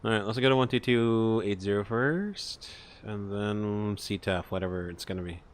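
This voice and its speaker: A man's voice: on the low side, fairly even intonation, normal speed. A man streaming a flight simulator as the captain, thinking aloud through cockpit procedures with hesitant, procedural phrasing. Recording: faint background noise, cockpit ambience.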